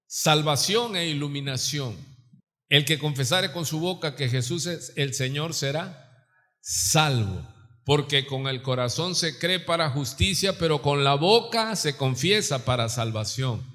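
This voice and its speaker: A man's voice: on the high side, expressive, unhurried, sharp tone. A man, a pastor, preaching a live Sunday sermon and building to fervent emphasis, calling his listeners brother. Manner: rising to fervent preaching, stressing words; addresses listeners as "hermano". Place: church sanctuary. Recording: live church recording with long reverb.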